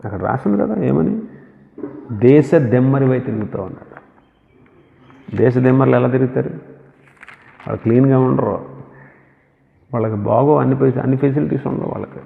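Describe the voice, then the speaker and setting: Gravelly preacher in an echoey hall. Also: male voice, medium pitch, a little fast, long pauses. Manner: emphatic, asks the listeners questions. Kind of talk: sermon. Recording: echoey hall on a tinny phone-like line.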